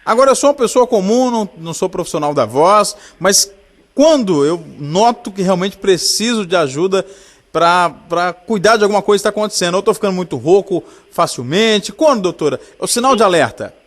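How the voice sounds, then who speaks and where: A man with a Brazilian Portuguese accent hosts a radio health segment. His voice sits high for a man, and he keeps the chat upbeat and friendly. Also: animated, brisk. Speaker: radio show host. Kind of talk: casual radio interview.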